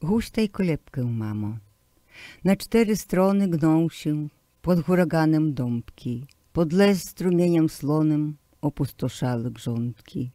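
A man recites verse slowly and with feeling, his voice dark and mellow yet pitched a little high. He leans into key words with rising emphasis. The sound is close and dry, with no room around it. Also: animated, no echo. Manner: slow, declamatory recital with swelling emphasis. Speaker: poetry reader. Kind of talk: poetry recitation.

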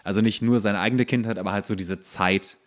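A man with a slightly low voice talks as a podcast co-host. He is relaxed in his phrasing and nerdy, keen to explain details and add trivia. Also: brisk. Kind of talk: casual chat about comics and series.

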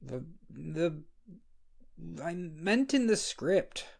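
A man playing a shy, flustered, insecure young scriptwriter in an intimate ASMR roleplay, speaking hesitantly with a husky, creaky voice. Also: a little high, sing-song, a little mellow, heavily acted. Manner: hesitant, halting. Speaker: audio roleplay performer. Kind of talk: ASMR roleplay, intimate one-sided dialogue.

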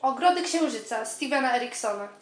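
An actress plays an eager young female army recruit in a radio comedy. Her high voice gives brisk, obedient replies with a straight face. The home recording sounds clearly roomy. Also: animated, natural voice. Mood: eager, deadpan.

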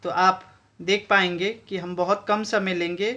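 A man's voice: high-pitched, flat delivery, unhurried, bright, forceful tone, highs cut off. A man with an Indian accent explaining step by step how to build a battery pack, switching between Hindi and English, while filming his workbench on a phone. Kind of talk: DIY tutorial. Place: indoor workbench.

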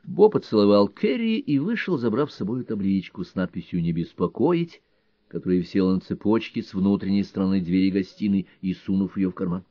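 A man reading a detective novel aloud in an even, measured storytelling manner. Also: low voice, no room sound, dull audio. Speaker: audiobook reader. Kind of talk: scripted narration.

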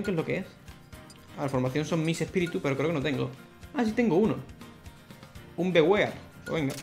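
Young guy doing let's play commentary, kinda high voice, gets hyped and laughs a lot. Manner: chatty, excitable, laughs often. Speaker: gaming YouTuber. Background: faint game music.

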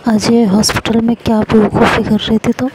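A woman's voice: on the high side, level tone, fairly quick, darkish tone, a little hiss or hum, lightly acted, low-quality recording. Woman voicing a stern scolding college girl. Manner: exasperated lecturing. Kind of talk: audio story reading.

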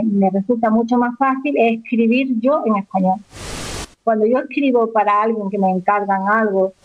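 A woman in her forties with an accent from Spain, answering interview questions in a chatty way, often restarting and repeating words. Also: a little high. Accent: Spanish from Spain. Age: 40s. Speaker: interview guest. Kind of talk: casual conversational interview. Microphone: phone call. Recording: narrow phone line.

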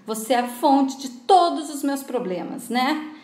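An exasperated, tense mother who snaps and sighs, as a woman narrator quotes her. The voice is on the high side and carries a roomy echo. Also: expressive, measured pace, a little mellow. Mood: snappish. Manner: snappish, exasperated. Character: tense, irritable mother, quick to snap.

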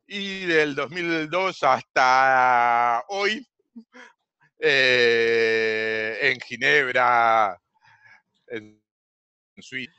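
A man in his forties with an Argentine Rioplatense accent, giving a virtual coaching class on a video call with a headset, halting with many fillers and repeated words. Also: mid-range voice, bright, forceful tone, smooth, no echo, lo-fi sound. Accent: Rioplatense Spanish. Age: 40s. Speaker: online business coach. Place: home room on a video call.

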